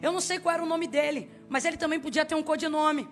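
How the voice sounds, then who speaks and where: A woman preaches with a very high voice, emphatic and dramatic, dropping soft and then rising loud. She calls on the congregation to answer her, with faint music underneath. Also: steady tone, fast. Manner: asks the congregation to respond. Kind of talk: sermon.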